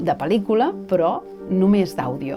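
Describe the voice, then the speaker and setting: There is music in the background as a woman speaks. Her pitch varies in an ordinary way. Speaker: voice actor. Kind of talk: interview answer.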